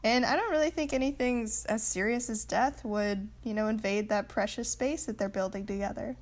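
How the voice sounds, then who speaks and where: A woman's voice: fairly high pitch, moderate pace. A woman co-hosting a casual podcast, rambling goofily and giggling often. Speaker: podcast co-host. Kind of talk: casual chat.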